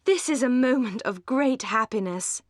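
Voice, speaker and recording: Ardent young heroine, played by a female narrator: raised pitch, emphatic, earnest, intense, period-novel audiobook. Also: expressive, moderate pace, no room sound, studio quality, lightly acted. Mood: warm, delighted. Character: passionate, earnest young woman with ardent feelings.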